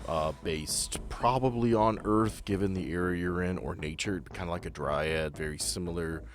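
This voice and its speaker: Deep-voiced man running a tabletop game. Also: normal speed. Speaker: game master. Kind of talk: casual tabletop game narration and rulings. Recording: music playing under the voice.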